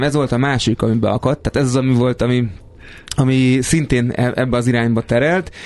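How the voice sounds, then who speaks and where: Delivered at a fairly quick pace, the speech stays monotone and flat. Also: man. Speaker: band frontman and singer. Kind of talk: casual radio interview. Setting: radio studio. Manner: relaxed, chatty, hesitant with fillers.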